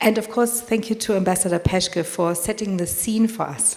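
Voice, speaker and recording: With a German accent and a medium pitch, a woman talks at a fairly quick pace against noticeable background noise. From Germany. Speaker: panel moderator. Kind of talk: moderated panel discussion.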